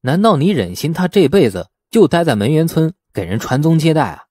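A man's voice: on the high side, big pitch swings, fairly quick, mellow, no room sound, pitched above the performer's own voice. A man voicing an easygoing, righteous young man in an audiobook, speaking conversationally and encouragingly. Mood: earnest.

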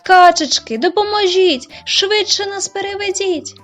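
A woman voicing frightened little storybook children pleading for help in a high voice. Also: measured pace, fairly bright tone, soft background music.

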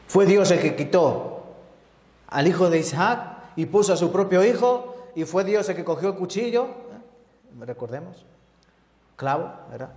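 Evangelist in an echoing church hall. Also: male voice, fairly high pitch. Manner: lively, asks the congregation many rhetorical questions. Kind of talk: sermon. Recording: echoey reverberant church hall.

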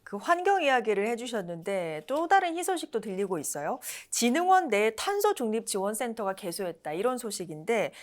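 A woman's voice: on the high side, big pitch swings, a little fast, hardly any pauses. A woman hosting a television talk show, asking questions in a polished broadcast interviewing style. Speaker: host of a regional TV issue talk show.

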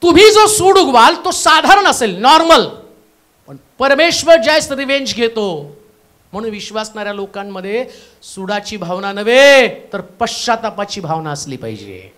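Male pastor, church sermon, swings from shouting to quiet, lively pitch. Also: moderate pace. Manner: preaching in bursts, shifting from loud to hushed, repeating the reader's words. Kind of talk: Pentecostal sermon.

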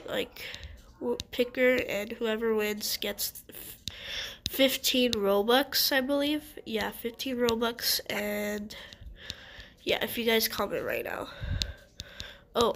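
A woman's voice: fairly high pitch, fairly bright tone, a little hiss or hum. A woman with a stuffy nose giving rambling, hesitant casual gameplay commentary as a gaming channel host. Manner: rambling, hesitant with many ums and restarts.

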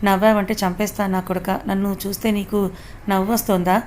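A touchy young man who takes offense easily snaps and grumbles at his friends, as a woman reads his lines. Her voice stays mid-pitched and fairly flat, close to her narrating voice. There is a faint hiss behind. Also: fairly quick, natural voice. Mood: irritated. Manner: snappish, complaining.

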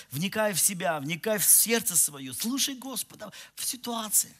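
In a high, fairly bright voice, a pastor in his forties delivers a sermon to a church hall, wearing a headset mic. He paces and gestures on stage, spinning a comic personal tale that mocks himself, often starting his sentences over.

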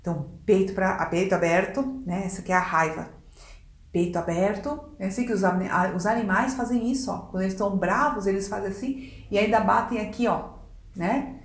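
Brazilian woman communication coach, mid pitch, animated delivery, reverberant room. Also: fairly quick. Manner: expressive, demonstrative, checks in with tag questions. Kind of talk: casual instructional video talk. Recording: echoey room.

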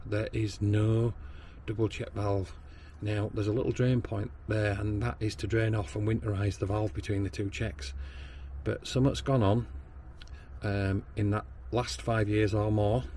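This plumber and backflow tester has a Northern English accent and a slightly mellow voice on the low side. At a workshop bench he gives a practical plumbing training demo, explaining step by step with frequent ums and restarts, as slight background noise carries on.

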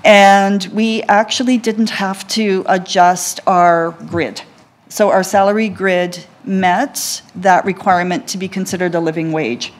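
A woman, a library system executive, answering council questions in a clear, businesslike way from a council chamber desk mic. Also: lowish voice. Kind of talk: formal presentation answers.

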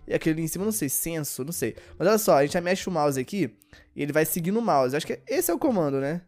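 A sleepy, worn-out man with a Brazilian Portuguese accent, giving let's-play commentary and yelping excitedly at the game. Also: on the high side, very fast. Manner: excitable, yelps and shouts at the game. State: sleepy and exhausted. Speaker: gaming YouTuber.

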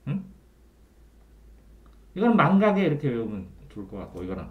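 A man tutoring a student one-on-one in Korean grammar, quizzing him often and trailing off quietly at the ends of phrases. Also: mid-range voice, very animated, a little fast, phone-quality sound. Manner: quizzing the student with frequent checks for understanding. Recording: echoey room.

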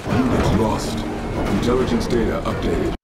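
An actor voicing an impassive military battle computer in a video game, giving clipped, matter-of-fact announcements. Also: male voice, on the low side, lively intonation, normal speed, natural voice. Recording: loud music over game battle noise.

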